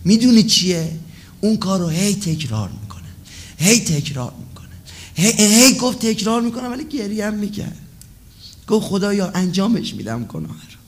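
A man preaching an emotional storytelling sermon at a religious gathering, swinging between loud passages and hushed ones. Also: high voice, sing-song.

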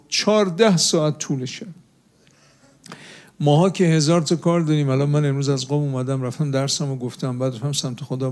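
An impassioned man delivers a sermon to young listeners at a religious gathering. He pleads with them in an earnest, urgent way. He slows down whenever he recites a sacred saying. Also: a little high, darkish tone. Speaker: preacher.

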